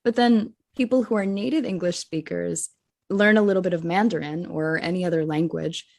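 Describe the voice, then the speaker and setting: A woman with a Rhode Island accent co-hosts a teachers' podcast as an English teacher, in a scripted discussion where she talks earnestly and thinks aloud through rhetorical questions. Her voice is lowish and darkish with vocal fry, and she speaks briskly.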